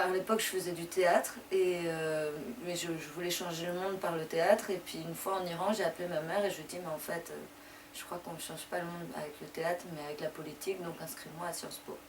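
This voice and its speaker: A woman's voice: fairly low pitch, fairly even intonation. A young woman raised in France whose first language is Persian, telling her life story in an interview at a loose, conversational pace. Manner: conversational, loosely paced with frequent pauses. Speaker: deputy mayor interviewee. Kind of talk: interview answers, personal story. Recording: distant mic with clear background noise.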